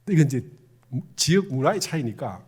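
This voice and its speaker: A middle-aged man from Gyeongsang province, Korea, preaches as a Won Buddhist minister with a Gyeongsang accent, keeping it conversational and quizzing the congregation. His voice is on the high side, brisk and a little mellow, slightly rough, with big pitch swings.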